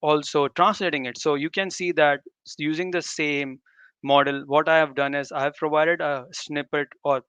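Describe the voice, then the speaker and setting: A man's voice: on the high side, steady tone, normal speed, a bit bright, smooth, no echo. A man whose native language is Urdu gives an informal live tech demo, often repeating and rephrasing himself. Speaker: tech presenter. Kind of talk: live demo talk to developers.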